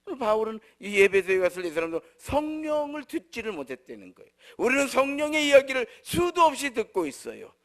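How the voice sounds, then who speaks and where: A man preaching a sermon as pastor, moving between raised declarations and soft, low asides. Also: very animated, fairly quick, few pauses.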